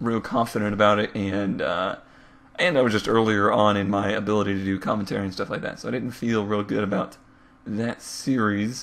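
This man has an ordinary speaking voice, a fairly low pitch and fairly even intonation, and he talks at a fairly quick pace. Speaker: gaming YouTuber. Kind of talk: casual talk to camera. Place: home room.

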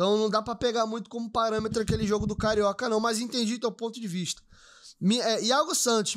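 Loud and at a fairly quick pace, a man speaks at a high pitch against a quiet background. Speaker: football podcast host. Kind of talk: live stream chat answering viewer comments. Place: studio. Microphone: studio mic.

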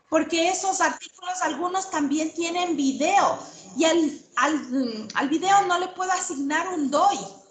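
In a room with audible echo and light background noise, a woman talks at a fairly slow pace in an extremely high pitch. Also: ordinary pitch variation. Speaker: journal editor. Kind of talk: questions in online session. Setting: video call. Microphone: video call.

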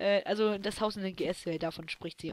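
The woman's pitch sits in the medium range. She speaks at a fairly slow pace. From Germany. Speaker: gaming YouTuber. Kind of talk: casual let's play commentary. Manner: halting, many fillers.

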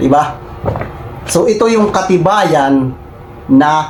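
A man talks at a very slow pace, with audible room echo and noticeable background noise. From Visayas, Philippines. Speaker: vlogger. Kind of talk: comedic vlog.

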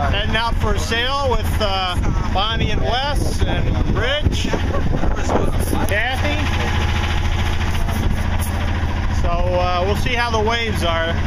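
A man speaks at a very slow pace, with long, frequent pauses. Loud background noise surrounds a dry sound with no echo. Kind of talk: casual vlog chat. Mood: relaxed, cheerful. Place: boat. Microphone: phone near.

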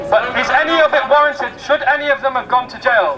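Over crowd noise in the background, a man with a British accent speaks in a raised, projected voice. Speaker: protest speaker or activist. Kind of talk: protest speech, rally address with angry political argument. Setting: outdoors rally outside court. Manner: impassioned, forceful, sarcastic, rhetorical, repeating phrases for emphasis. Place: street. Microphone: camera far.

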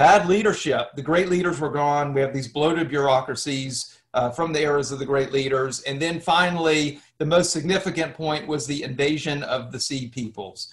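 A man with a Tennessee accent, somewhat breathy, at a moderate pace with hardly any pauses and ordinary pitch variation, over a quiet background. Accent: Southern US (Tennessee). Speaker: history lecturer. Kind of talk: lecture. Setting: live audience with Q&A.

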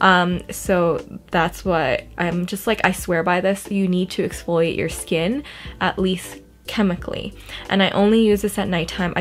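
A woman speaks at a fairly slow pace with a medium pitch and fairly even intonation. Music plays in the background. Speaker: beauty YouTuber. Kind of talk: casual talk to camera. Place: home room. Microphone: camera far.

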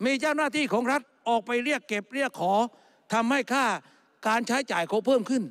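Against a quiet background, a man speaks at an extremely high pitch with ordinary pitch variation. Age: 50s. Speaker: member of parliament. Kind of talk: parliamentary debate speech. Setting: parliament chamber. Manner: formal. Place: hall. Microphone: podium.

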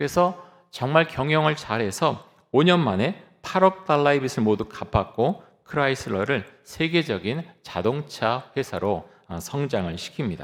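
A man talks very slowly, with very wide pitch swings. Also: fairly high pitch for a man. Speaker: pastor. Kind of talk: sermon. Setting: church. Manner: conversational, with filler sounds.

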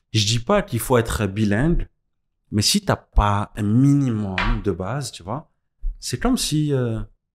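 A man talks at a very slow pace with ordinary pitch variation. Noticeable background noise runs underneath. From France. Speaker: expatriation consultant and YouTuber; podcast guest. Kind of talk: casual interview. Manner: casual, many fillers. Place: home room. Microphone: studio mic.

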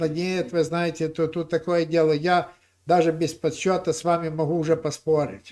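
A man's fairly high-pitched voice in a monotone, flat intonation, on a very clean recording with a silent background. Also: moderate pace. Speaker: video blogger. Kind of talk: street prank conversation.

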